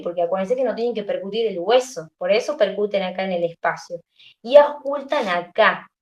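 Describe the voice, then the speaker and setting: A woman's voice: mid-range voice, muffled recording. A young woman lectures her students, sounding tired. She explains each step in turn and keeps checking that the class is following along. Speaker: teacher.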